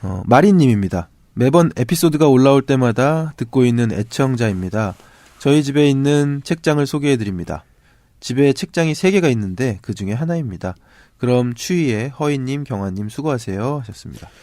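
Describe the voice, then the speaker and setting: A man's voice: mid-range voice, lively intonation, a little fast, mellow, no room sound, studio quality. A man co-hosting a casual book podcast, speaking with a stuffy, congested nose. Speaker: podcast co-host. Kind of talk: casual book podcast chat, reading listener comments.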